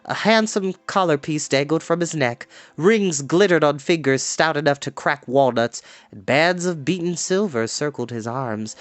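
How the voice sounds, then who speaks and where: A man reading a fantasy novel aloud in an expressive narrating style. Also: on the high side, moderate pace, hardly any pauses, dry recording. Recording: music behind the voice. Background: background music.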